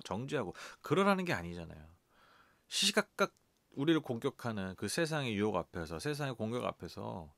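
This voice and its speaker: A middle-aged man preaching a sermon as pastor, conversational and lively, asking his listeners rhetorical questions. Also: mid-range voice, dry recording. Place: church.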